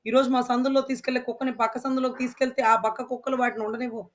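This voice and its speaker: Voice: mid-range voice, flat delivery, rapid-fire. An interview guest speaking with passion, firing off emphatic rhetorical questions. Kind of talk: impassioned interview talk.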